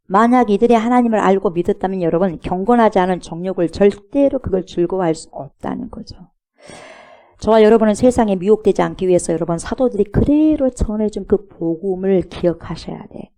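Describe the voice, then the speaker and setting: Middle-aged woman preacher, gravelly and dark-toned, emphatic sermon delivery. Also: mid-range voice, brisk. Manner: emphatic preaching with rhetorical questions, mocking imitations of scoffers. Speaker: pastor.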